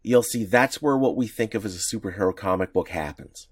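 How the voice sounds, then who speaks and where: A man's voice: fairly low pitch, animated, fairly quick, husky, no echo, studio quality. A man co-hosting a podcast in casual chat, rambling with frequent restarts. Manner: rambling, many restarts, laughs easily. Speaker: podcast co-host.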